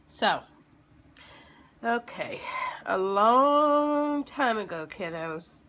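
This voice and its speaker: Woman in her 30s, kinda froggy and sick, slow halting storytime talk like shes talking to kids. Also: a little high, expressive, fairly bright tone. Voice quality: slightly froggy. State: sick with a lingering illness. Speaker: video blogger telling a personal story. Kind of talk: informal personal storytelling, as if to children.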